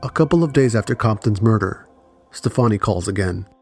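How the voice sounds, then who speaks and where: True crime narrator, male, lowish voice, measured and serious scripted delivery, music underneath. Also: expressive, slightly rough.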